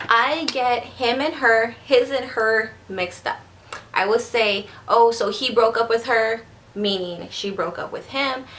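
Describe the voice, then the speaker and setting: A woman speaks with a Spanish accent over noticeable background noise. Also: fairly high pitch for a woman, ordinary pitch variation, fairly slow pace. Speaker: beauty vlogger. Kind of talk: casual chat. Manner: slurred words.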